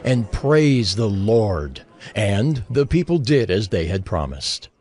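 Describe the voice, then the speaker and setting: A man's voice: fairly low pitch, very animated, takes it slowly, a little mellow. A man giving solemn, emphatic narration in a dramatized scripture production. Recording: music bed behind the voice.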